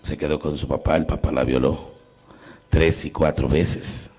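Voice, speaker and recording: A middle-aged man with a Mexican accent, a Catholic priest preaching a sermon. He swings from loud emphasis to quiet, intimate questions and acts out the people in his stories. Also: extremely low pitch, fairly even intonation, a little slow. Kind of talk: sermon with storytelling.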